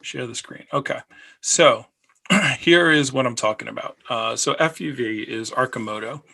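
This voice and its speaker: A man talks casually to his viewers, circling back on his points and filling the gaps with "uh". His voice is gravelly and has a bright, forceful edge, pitched at an ordinary middle height. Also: moderate pace. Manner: rambling, repeats himself, many fillers. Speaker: personal finance video host. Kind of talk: casual talk to camera.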